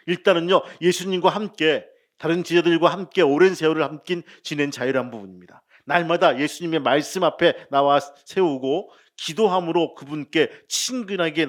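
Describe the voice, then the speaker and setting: A man preaching a sermon as pastor, asking the congregation questions and joking with them, with loud emphasis and quiet asides. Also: fairly high pitch.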